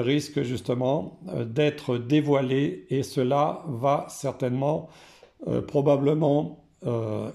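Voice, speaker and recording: A French man with a hoarse voice, reading tarot cards slowly and hesitantly, with many fillers. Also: medium pitch, dark tone. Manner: slow and hesitant, frequent "euh" fillers. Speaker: tarot card reader. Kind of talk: casual explanation to camera.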